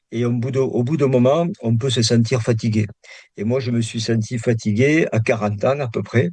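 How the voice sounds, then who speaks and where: Speaking with fairly even intonation, a man sounds somewhat breathy at a medium pitch and a moderate pace. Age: 60s. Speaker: meditation teacher. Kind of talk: interview. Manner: halting.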